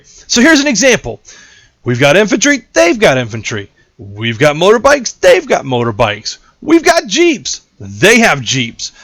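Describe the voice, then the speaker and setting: A man hosts a casual gameplay tutorial in a fairly high voice with lively swings in pitch. He rambles and jokes as he explains. The sound is dry and close on a desktop mic. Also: dry recording. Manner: animated, rambling, jokey asides. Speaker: gaming channel host.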